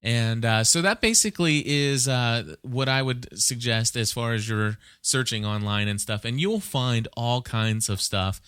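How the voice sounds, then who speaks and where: A man's voice: mid-range voice, a little slow, hardly any pauses, a bit bright, smooth, dry recording, studio quality. A man hosting a podcast, rambling casually and conversationally as he thinks aloud and gives advice. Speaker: podcast host.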